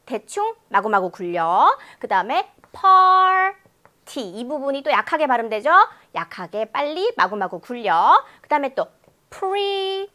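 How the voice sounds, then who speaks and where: A woman teaching an exam-prep listening lecture, animated and demonstrative, exaggerating sounds for her students. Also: on the high side, normal speed, few pauses.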